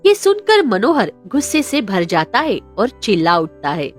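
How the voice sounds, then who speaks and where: A woman narrating a cartoon story in a dramatic, expressive way. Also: mid-range voice, unhurried, faint music behind.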